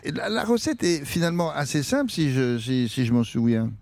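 A man's voice: fairly high pitch, very animated, fairly quick, a little mellow. A man hosting a radio show, chatting and asking curious questions. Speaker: radio host.

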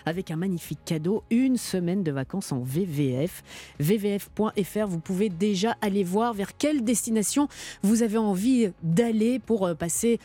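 A woman's voice: medium pitch, normal speed, dark tone. A woman hosting a radio show, upbeat and teasing, laughing often with her co-hosts.

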